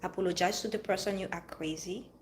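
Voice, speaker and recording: A woman's voice: fairly low pitch, steady tone, fast, slight background noise. A woman with a Haitian-French accent, giving an earnest motivational talk to viewers and repeating her phrases for emphasis. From Haiti or France. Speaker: vlogger giving life advice. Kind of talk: motivational monologue.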